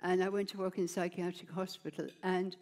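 A woman's voice: on the low side, level tone, a little fast, darkish tone. Older lady on stage with a headset mic, chatty and rambling, keeps saying you know. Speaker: interview guest. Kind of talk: onstage conversation, personal story. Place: stage at a large gala, indoors.

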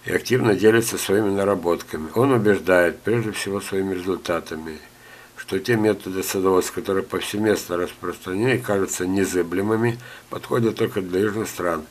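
Coughing older man with a low voice. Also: brisk. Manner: coughs often, chatty asides and jokes. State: ill, coughing. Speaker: gardening teacher. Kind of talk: screen-share talk reading viewer letters.

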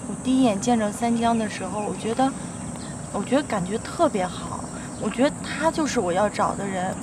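A woman's voice: mid-range voice, a little fast, background noise, close to an everyday voice. A woman playing an earnest young lover, outdoors. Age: young adult. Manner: earnest, confiding. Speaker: girlfriend. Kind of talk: TV drama acting.

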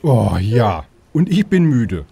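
An actor playing a weary police emergency dispatcher, dry and sarcastic. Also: male voice, mid-range voice, very animated, slow, gravelly, crowd noise, full character voice. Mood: sardonic. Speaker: police emergency call operator. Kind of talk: radio play with narration.

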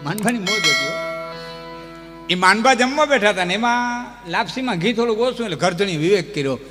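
A man telling folk tales on a live stage, lively and chuckling, chanting verses between the stories. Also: high voice, a little fast. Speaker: folk storyteller. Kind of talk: folk storytelling with recited verse. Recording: long hall reverb with music behind.

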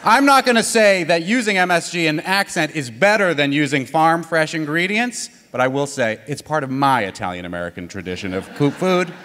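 A man's voice: a little high, animated, brisk, few pauses, sharp tone. A man hosting a live storytelling event, introducing tellers with chatty, humorous asides. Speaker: event host. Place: stage in a hall. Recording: long hall reverb.

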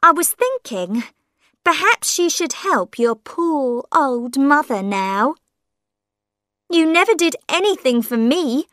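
A woman's voice: sits high, big pitch swings, takes it slowly, a bit bright, no room sound, clean studio sound, voice pushed up, heavily acted. A woman doing a sly mocking old mother. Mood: wheedling. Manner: taunting and wheedling. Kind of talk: audiobook character voice.

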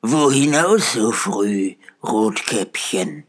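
Man doing a sly, hushed storybook wolf. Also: lowish voice, animated, extremely slow, full character voice. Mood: coaxing. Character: sly, greedy wolf coaxing a child.

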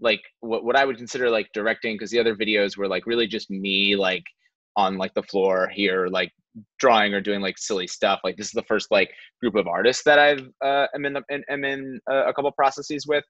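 A man's voice: on the low side, steady tone, fairly quick, a bit bright, no echo. A man in his thirties, a guest on a casual video-call panel, speaking hesitantly and self-effacingly. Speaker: theater director and guest. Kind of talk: casual roundtable talk. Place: living room, video call. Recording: dull, dry video-call audio.

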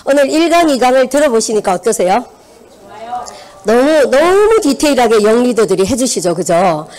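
A woman's voice: a little high, normal speed. A woman in her fifties from Busan with a Busan Gyeongsang accent, giving a motivational seminar talk and telling stories while asking the audience questions. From Busan, South Korea. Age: 50s. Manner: lively storytelling with audience questions. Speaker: seminar speaker. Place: seminar hall.

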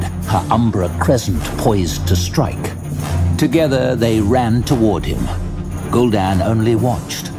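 A man narrating a fantasy tale in a measured, theatrical storytelling manner with pauses. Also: on the low side. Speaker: audiobook narrator. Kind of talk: dramatic scripted fantasy narration. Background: music.

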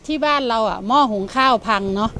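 A woman's voice: fairly high pitch, fast, creaky, bright, forceful tone. An older woman in a street interview outdoors in a garden yard, asking earnest questions one after another.

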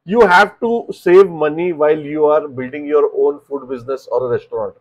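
A man in his thirties with an Indian English accent, giving business advice straight to camera in a small home office, animated and repeating words as he explains. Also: on the high side, moderate pace, low-quality recording. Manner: animated, gestures with both hands, repeats words while explaining. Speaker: restaurant business coach. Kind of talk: direct-to-camera advice talk.

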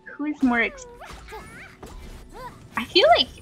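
High-pitched, excitable young-sounding woman gamer. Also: takes it slowly, soft background music. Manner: excitable, exclaiming, giggly, sing-song humming. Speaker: gaming video host. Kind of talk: casual gameplay chat.

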